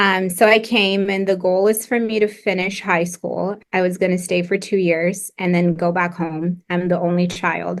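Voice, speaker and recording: The speaker has a Portuguese accent and keeps a moderate pace. The background is quiet. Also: woman. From Brazil. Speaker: holistic business coach. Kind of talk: podcast interview.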